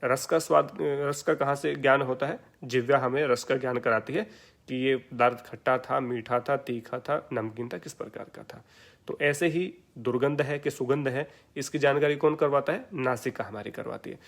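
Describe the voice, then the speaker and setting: A man's voice: mid-range voice, steady tone, normal speed, creaky. A man with an Indian accent giving a yoga lecture, explaining terms step by step and answering his own questions. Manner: asks questions and answers them himself, repeats key terms.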